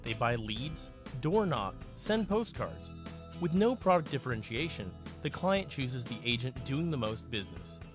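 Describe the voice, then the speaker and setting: A man reading a scripted ad with a lively, salesy delivery. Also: mid-range voice, unhurried. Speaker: ad announcer. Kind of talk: scripted ad read. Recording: voice over clear music bed.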